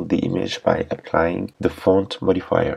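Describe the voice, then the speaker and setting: With noticeable background noise behind him, a man speaks at a very deep, low pitch in a monotone, flat intonation. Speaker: programming tutor. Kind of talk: tutorial.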